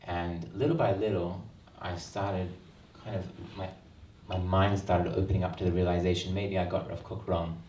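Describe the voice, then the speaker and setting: Australian man, 30s, low and flat delivery, earnest and reflective; far-off roomy hall recording with faint ambience. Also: normal speed, few pauses, slight background noise. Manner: earnest, reflective, frequent ums. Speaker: author. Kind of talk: book launch talk. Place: event hall. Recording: roomy hall sound, mic at a distance.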